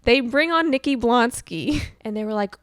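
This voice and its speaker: Woman podcast host, giggly animated storyteller, fairly high voice, dry close sound. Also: normal speed, clear, resonant tone, no echo. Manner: giggly, animated storyteller who keeps breaking into laughter. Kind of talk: casual chat.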